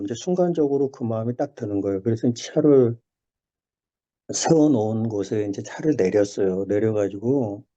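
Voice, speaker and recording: Middle-aged man, church testimony over a lo-fi call, animated storyteller, deep dark tone. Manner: storytelling, animated, with many restarts and fillers. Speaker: church member sharing testimony. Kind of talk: personal testimony in a video call. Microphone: video call. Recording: dull lo-fi video call audio.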